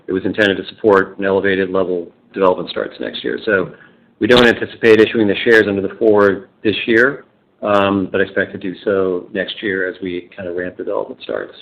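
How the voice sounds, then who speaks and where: Deep male executive, phone-like sound. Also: little pitch movement, fairly quick. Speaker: company executive answering analysts. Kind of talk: corporate earnings-call answer. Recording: narrow, phone-like line.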